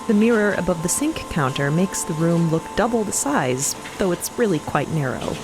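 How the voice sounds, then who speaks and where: Low-pitched woman narrating fiction. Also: lively intonation, normal speed, background noise. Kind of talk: scripted dramatic narration.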